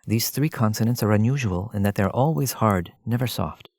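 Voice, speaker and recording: Male tutor for scripted language lesson, gravelly low register, measured and explanatory. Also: darkish tone, no echo, clean studio sound. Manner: measured, explanatory, addresses listener directly. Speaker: language teacher.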